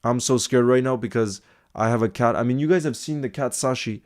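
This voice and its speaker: A man's voice: mid-range voice, a little fast. Chatty man hosting a football live stream. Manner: chatty, thinks aloud with restarts and filler asides. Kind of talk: casual live-stream chat reading viewer comments.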